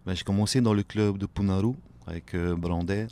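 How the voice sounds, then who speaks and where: A man, talking casually as a guest on a radio show, filling pauses with "ben", "hein" and "voilà". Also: sits low, steady tone, a little mellow, slight background noise. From Tahiti. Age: late 30s. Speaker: guest, outrigger canoe paddler. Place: radio studio.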